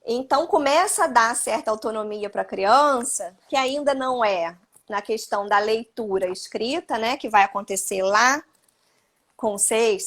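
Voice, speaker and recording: Speaking over what sounds like a phone or video call, a woman who is a Brazilian Portuguese-speaking psychologist explains parenting advice on a live stream. Her voice is a little high and somewhat bright, and she often adds tag questions.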